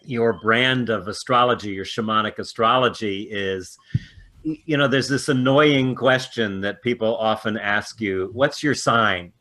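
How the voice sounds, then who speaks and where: A male interviewer with a bright, forward tone. He asks open questions, affirms what the guest says and drops short murmurs of agreement. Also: on the low side, measured pace.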